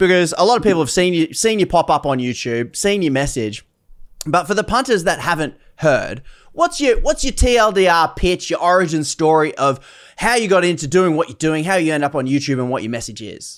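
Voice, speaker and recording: A man with an Australian accent, high-pitched, fairly quick, with very wide pitch swings. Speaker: political show host. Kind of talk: casual interview.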